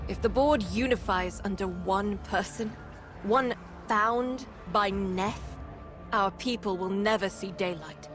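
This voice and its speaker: Woman as a slow-talking, streetwise rebel boss. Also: medium pitch, close to an everyday voice. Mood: urgent, confiding. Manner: blunt, slangy, no-nonsense. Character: tough, streetwise female underground rebel boss. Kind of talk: mission briefing over comms. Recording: music behind the voice. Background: music.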